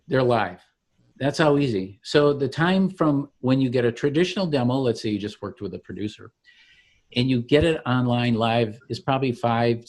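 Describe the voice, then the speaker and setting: Relaxed man walking through software. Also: medium pitch. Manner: relaxed, explanatory, slows to show steps. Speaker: software founder giving a demo. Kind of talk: walkthrough of an online tool.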